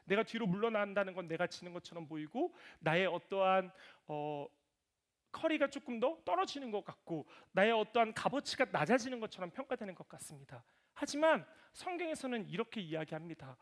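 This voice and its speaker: A man in his thirties preaching a sermon in church, telling lively family stories and acting out voices. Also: high voice, fairly quick. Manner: animated storytelling, voices his toddler and himself. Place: church sanctuary.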